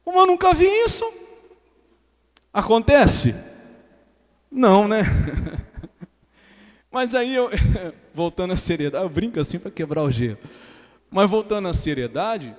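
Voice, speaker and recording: A Brazilian pastor preaches with a lively, swooping delivery that moves between jokes and earnest appeals. His voice sits somewhat high for a man and rings with a long hall reverb. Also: takes it slowly, long pauses. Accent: Brazilian Portuguese. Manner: animated, joking asides then earnest preaching. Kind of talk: sermon. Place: church hall.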